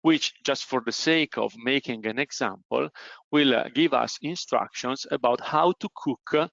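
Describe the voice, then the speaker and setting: Italian guy walking through a software demo, gravelly voice, lots of uhs, dull dry audio. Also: mid-range voice, moderate pace, dry recording. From Italy. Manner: frequent "uh" hesitations while explaining. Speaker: presenter. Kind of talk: technical webinar demo.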